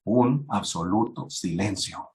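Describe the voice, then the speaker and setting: A man preaching a sermon to young people, acting out pleading voices and rising in pitch when he stresses a point. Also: expressive, slow pace, a little mellow. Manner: acts out biblical voices, rises in pitch when emphatic. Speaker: youth preacher.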